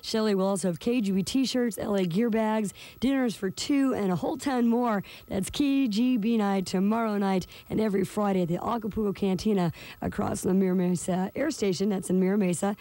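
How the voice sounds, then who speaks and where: Female American rock radio DJ, thirties: playful, chatty, relaxed tone, dry close-miked studio sound. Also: medium pitch, fairly quick, no echo. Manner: breezy, playful, slangy. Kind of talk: upbeat rock radio presenting, chatty patter. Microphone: close studio microphone on boom arm.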